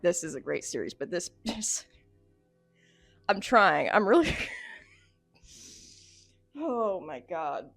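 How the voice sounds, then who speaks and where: A woman's voice: fairly low pitch, big pitch swings, slow pace, vocal fry, pauses often, fairly bright tone, soft background music, rough recording. A woman giving comedic reaction commentary, full of sarcastic, chatty asides. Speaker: video creator reacting to a mystery series.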